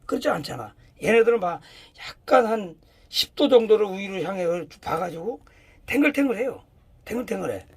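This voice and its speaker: A man talks through plant care in a relaxed, hands-on demonstration. His voice sits high and a little husky, and the recording is close and dry. He hammers key words by repeating them and drifts into plain, informal speech. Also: no echo. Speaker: plant grower explaining care.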